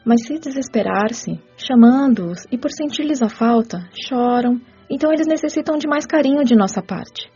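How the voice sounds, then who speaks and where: An actress playing a kind, patient spirit caretaker who explains rules in a measured, teacherly radio drama delivery. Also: female voice, a little high, expressive, dark tone, slightly rough. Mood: patient, instructive. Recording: muffled audio with music underneath.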